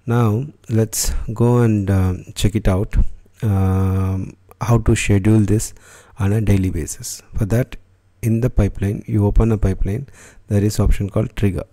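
Low, mellow-voiced male tech tutor. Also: fairly even intonation, normal speed. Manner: unscripted, frequent fillers and restarts. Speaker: tutorial host. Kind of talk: screen-recorded software tutorial.

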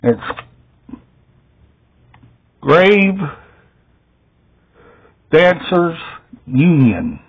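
Middle-aged male vlogger, casual show-and-tell, very drawn-out halting delivery, muffled low-fidelity recording. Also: big pitch swings, creaky, slightly rough. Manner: halting, short phrases with long gaps. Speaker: video host showing a music collection. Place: small indoor room at home.

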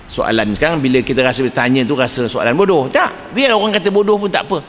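A man's voice: mid-range voice, animated, quick pace, slight background noise. An older man with a Malaysian Malay accent giving a religious lecture, telling anecdotes, acting out the dialogue and chuckling at his own jokes. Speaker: preacher. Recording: reverberant hall, faint ambience.

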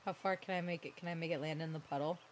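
A woman's voice: sits low, fairly even intonation, very fast. A young adult woman, a voice actor, giving casual, sarcastic gameplay commentary, swearing freely and putting on mock accents.

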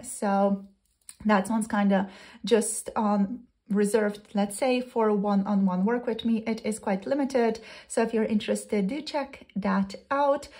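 A woman's voice: on the high side, a little mellow. A young adult woman, a tarot reader who chats her way through a pick-a-card reading and thinks aloud as she searches for words. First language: Slovenian.

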